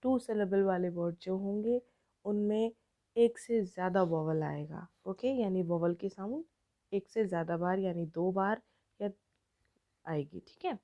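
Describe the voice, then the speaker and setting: Her voice is medium-pitched with a dark tone. She has an Indian accent and explains an online grammar lesson one word at a time, slowly, mixing Hindi and English.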